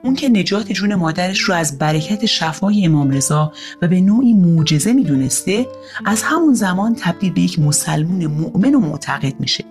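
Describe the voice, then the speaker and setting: A woman narrating a children's story in an expressive, animated way. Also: fairly low pitch, soft background music.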